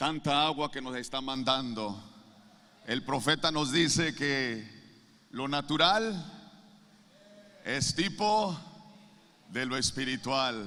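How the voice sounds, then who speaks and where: A man speaks at a very slow pace in a bright, sharp tone. His pitch is medium, with ordinary variation. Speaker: preacher. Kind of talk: sermon.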